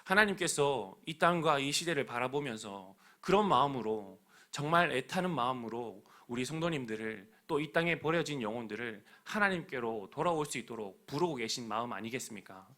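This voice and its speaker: A man's voice: mid-range voice, expressive, brisk, hardly any pauses, sharp tone. A man preaching a sermon in an earnest, fervent way, with prayerful appeals to the congregation.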